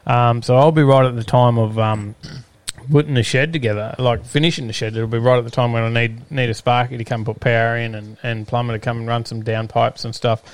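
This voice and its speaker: Australian man, mid-pitched, casual rambling host, hesitant pauses, dry close recording. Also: level tone, clean tone, dry recording. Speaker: host of a live-streamed show. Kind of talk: casual, unscripted chat.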